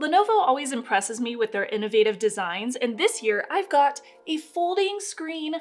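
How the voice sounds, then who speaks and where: A woman speaks with a slight Southern accent. Her intonation is lively. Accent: slight southern drawl. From US Midwest. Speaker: tech reviewer. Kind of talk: product review; sponsor read. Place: studio.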